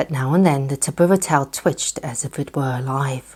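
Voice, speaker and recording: A woman with a very deep, low pitch speaks in a gentle, somewhat breathy tone with fairly even intonation. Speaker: storyteller. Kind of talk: reading aloud.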